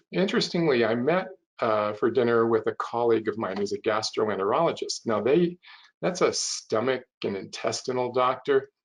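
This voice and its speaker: At a moderate pace, a man with an ordinary speaking voice talks in a medium pitch with lively intonation. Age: 60s. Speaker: doctor. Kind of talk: interview.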